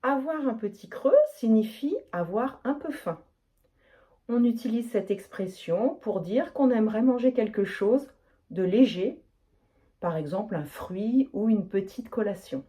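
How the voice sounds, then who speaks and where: Woman language teacher, deliberate and clear delivery, mellow tone, animated melody. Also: fairly high pitch. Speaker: French teacher. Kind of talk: teaching, reading practice answers.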